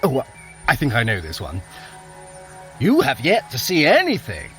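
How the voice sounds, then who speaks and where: Audio drama role: clever, exasperated male trickster god, dry wit, measured pace, extremely animated intonation. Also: mid-range voice, soft background music. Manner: dry, sardonic, articulate. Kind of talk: scripted audio drama acting.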